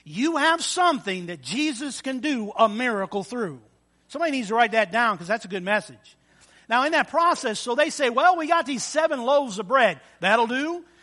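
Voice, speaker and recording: In a raised, projected voice with an American accent, a man speaks at an extremely high pitch and a moderate pace. His tone is bright and sharp, and his intonation is lively. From Michigan, then Kentucky from ninth grade. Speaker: preaching minister. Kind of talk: sermon. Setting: church service with congregation.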